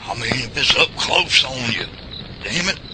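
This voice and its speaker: A man's voice: medium pitch, animated, moderate pace, close to an everyday voice. A man playing a grumpy old rural monster hunter with a folksy Southern US drawl in an audio drama. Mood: rattled, irritated. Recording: loud outdoor ambience noise over voice.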